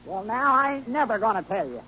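A cackling, boastful old cowboy sidekick brags and blusters in a high, reedy, wildly swooping voice. His drawl is thick with folksy exclamations. It comes through a dull old radio recording with faint hiss. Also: sing-song, a little fast, pushed and bright, full character voice. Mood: flustered. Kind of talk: 1940s radio western drama.

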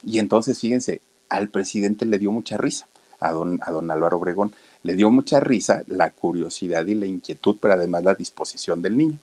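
A man's voice: low-pitched, fairly quick, darkish tone. Folksy Mexican man telling a tale. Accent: Mexican Spanish. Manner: chatty, folksy, addresses listeners directly. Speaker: storyteller. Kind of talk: casual storytelling to viewers.

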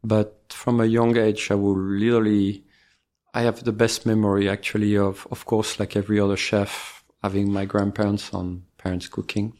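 A man's voice: lowish voice, flat delivery, moderate pace, a little mellow. A man from Normandy with a French accent, a pastry chef answering interview questions with many hesitations. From France, Normandy. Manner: hesitant, many filler sounds. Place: venue on a city pier.

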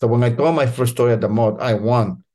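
A man talks openly in a relaxed conversation. He stumbles and repeats words as he gathers his thoughts. His voice sits at a middling pitch. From Latin America. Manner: halting, repeats words, earnest. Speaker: storyteller guest. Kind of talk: casual conversation.

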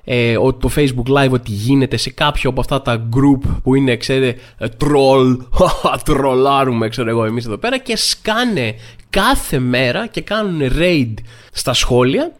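A young man hosting a podcast, telling a funny story in a casual, slangy monologue and acting out the people he quotes. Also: medium pitch. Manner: animated storytelling, acts out quoted voices. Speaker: podcast host. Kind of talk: comic monologue.

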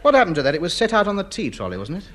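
A fussy, pompous hoarder. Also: male voice, high-pitched, wildly swooping pitch, rapid-fire, fairly bright tone, exaggerated voice. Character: fussy hoarding man, pompous, self-important. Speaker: comedy actor. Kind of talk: 1950s radio comedy acting. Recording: old radio recording, noisy.

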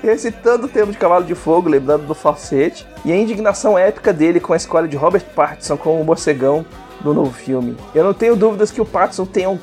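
The animated Brazilian guy at a podcast table, jokingly reading the mailbag in street slang over a music bed. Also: fairly high pitch, quick pace. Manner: jokey, slangy, often laughing. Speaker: podcast co-host. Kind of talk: casual chat, reading listener comments.

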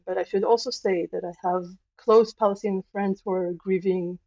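A woman guest from Israel answers in a flat, even voice, choosing her words with deliberate care. The sound is dry and a little muffled, as if over a remote link. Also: mid-range voice, dry recording. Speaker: history professor, guest. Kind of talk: earnest radio interview answer.

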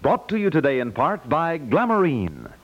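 High, animated American radio announcer man. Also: normal speed, faint music behind. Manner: polished, selling, emphatic. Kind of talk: 1950s radio commercial announcing. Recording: muffled 1950s radio recording.

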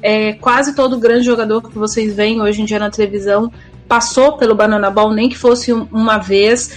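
A woman's voice: a little high, fairly even intonation, moderate pace, soft background music. A woman with a Brazilian accent giving casual sports commentary on a podcast.

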